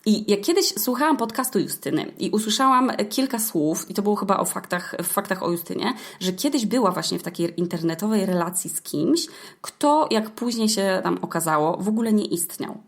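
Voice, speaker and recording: A woman's voice: medium pitch, lively intonation, a little fast. A young woman hosting a podcast, telling a story casually in slangy, hesitant speech with swearing and many filler sounds. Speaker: podcast host.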